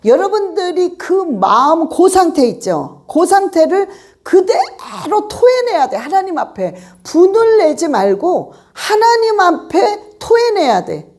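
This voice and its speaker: Animated high-voiced woman pastor preaching. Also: slow pace, few pauses. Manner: emphatic, repetitive exhortation addressing the congregation. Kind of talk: sermon.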